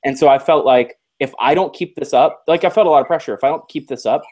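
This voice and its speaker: A man's voice: a little high, fast talker, darkish tone. Earnest man chatting on a podcast. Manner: earnest, reflective, teasing asides. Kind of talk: casual live podcast chat.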